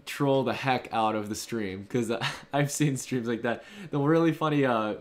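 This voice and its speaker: A man's voice: medium pitch, normal speed. A man hosting a livestream from home, casually thanking donors and answering chat in a loose, rambling way. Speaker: livestream host. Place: home room.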